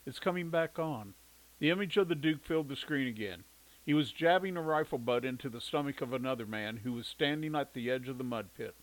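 A man narrating a story in an even, steady reading voice. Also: mid-range voice, fast talker, rough recording.

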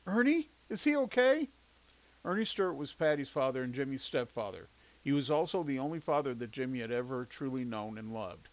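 A man narrating a story in an even, steady reading voice. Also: medium pitch, fairly quick, poor audio.

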